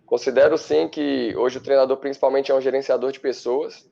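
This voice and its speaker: A man, a football coach on a studio interview, who explains his views fluently and in a measured way. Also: medium pitch, steady tone, gravelly, dark tone, muffled recording. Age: 30s.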